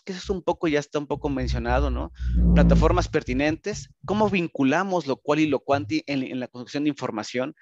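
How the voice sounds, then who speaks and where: A man with a Mexican Spanish accent giving a conference presentation over a video call, speaking haltingly with frequent tag questions. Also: mid-range voice, no echo. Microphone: video call, computer microphone. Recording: dull, lo-fi video call audio.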